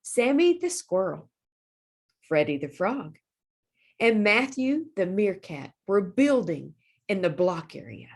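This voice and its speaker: A woman reading aloud for young children as a librarian, with deliberate, expressive phrasing. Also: medium pitch.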